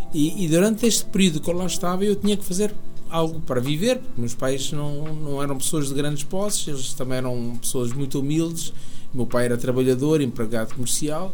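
With noticeable background noise behind him, a man talks at a fairly quick pace in a fairly high pitch with lively intonation. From Mozambique, Zambézia province. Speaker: businessman. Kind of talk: interview.

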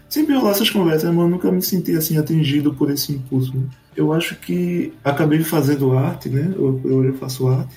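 Against noticeable background noise, a man talks in a fairly high pitch with lively intonation, very even loudness, and a fairly quick pace. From Pernambuco, Brazil. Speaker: filmmaker. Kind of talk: casual interview. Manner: halting.

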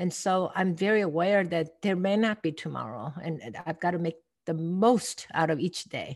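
In a very clean recording with a silent background, a woman with a Korean accent speaks at a moderate pace, her pitch fairly low with ordinary variation. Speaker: physician and painter. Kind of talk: interview, conversational. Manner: hesitant, many fillers and restarts.

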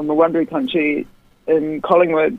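Speaking in a New Zealand accent, a woman uses lively intonation at a fairly low pitch. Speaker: singer-songwriter. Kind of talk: casual interview.

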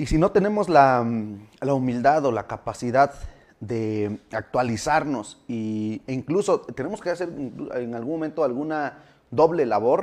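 Speech at a fairly slow pace, with lively intonation. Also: man. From Mexico, Oaxaca. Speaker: podcast host, businessman. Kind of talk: podcast monologue. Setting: live-streamed broadcast. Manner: hesitant, many fillers.

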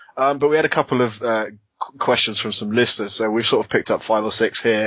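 A man with a British accent speaks at a medium pitch. His pace is very fast and his intonation fairly even. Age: 20s. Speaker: podcast host. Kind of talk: casual podcast chat.

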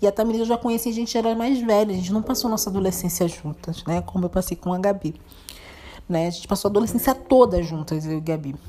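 A woman with a medium-pitched voice and ordinary pitch variation rattles along at a very fast pace while noticeable background noise fills the clip. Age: 30s. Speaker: podcaster. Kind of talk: personal monologue. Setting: home at night. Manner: halting.

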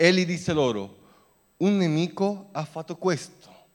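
A man with a Spanish accent and a high-pitched voice, fairly slow in pace, on a very clean recording with a silent background. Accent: Spanish, Z pronounced as S. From Cuba. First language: Spanish (speaking Italian). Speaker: preacher. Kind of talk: sermon.

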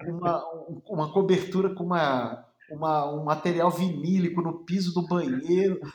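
A man speaks at a fairly slow pace in a high voice. Noticeable background noise runs underneath. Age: 40s. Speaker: advertising agency co-CEO. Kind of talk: casual chat. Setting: at home, remote call. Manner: halting.

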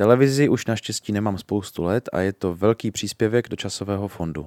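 A plain, everyday voice from a man, fairly low in pitch with ordinary variation, at a moderate pace, in a very clean, silent recording with a dry, close sound and no echo. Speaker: musician and music teacher podcast host. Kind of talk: reading aloud own article.

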